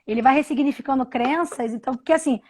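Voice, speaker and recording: High-voiced woman in her thirties. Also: darkish tone. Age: 30s. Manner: halting, many restarts and repeated words. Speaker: interview guest. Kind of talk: personal story on a live video call. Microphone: video call from home.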